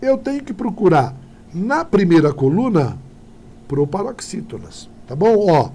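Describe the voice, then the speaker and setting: Lively Brazilian man teaching exam prep. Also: high voice, unhurried, breathy edge. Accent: Brazilian Portuguese. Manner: lively, addresses viewers directly, checks in with tag questions. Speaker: Portuguese teacher. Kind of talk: exam-prep video lesson.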